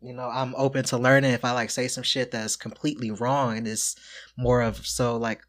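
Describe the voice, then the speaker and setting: A trans woman in her twenties from Michigan, co-hosting a podcast in casual chat, with a low, quiet voice, blunt and outspoken. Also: little pitch movement, moderate pace. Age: 20s. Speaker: podcast co-host.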